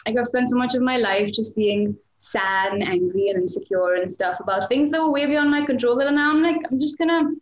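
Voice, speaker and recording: This young adult woman, a singer-songwriter, talks fairly quickly and with few pauses in a slightly high voice. She's chatty and self-mocking on a webcam video call from her small home room, restarting often and using lots of fillers, all in a roomy, rough recording.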